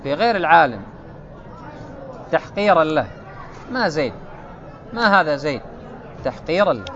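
A man's voice: on the high side, sing-song, moderate pace, a bit bright, highs cut off, some chatter behind. A man teaching a classical Arabic grammar lesson, explaining step by step and checking often whether his students follow.

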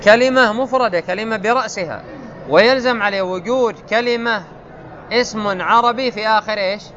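A man with a high voice leads a classical grammar lesson, reading the text aloud slowly and firing questions at the class before answering them himself. The recording is muffled and lo-fi. Loud traffic and vehicle noise run behind it. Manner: reads text slowly, quizzes students. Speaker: grammar teacher. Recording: muffled, noisy with outdoor traffic.

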